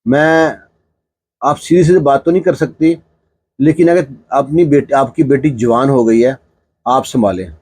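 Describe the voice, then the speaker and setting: A man's voice: medium pitch, a little mellow, husky, lightly acted. A man voicing a worried village aunt who scolds and frets about her family's honor in a told story. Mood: anxious. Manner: anxious, scolding.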